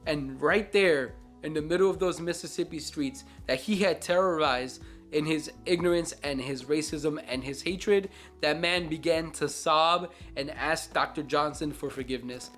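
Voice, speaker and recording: A man's voice: fairly high pitch, moderate pace, a bit bright, faint music behind. A man hosting a Christian book review vlog, talking in an earnest, reflective, almost preacherly way.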